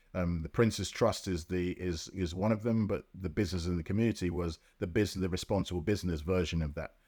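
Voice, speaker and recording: Very fast speech from a man with a London accent, his voice very deep and low with a dark, mellow tone and fairly even intonation, on a very clean recording with a silent background. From south London (Lambeth). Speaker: business CEO. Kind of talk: interview conversation.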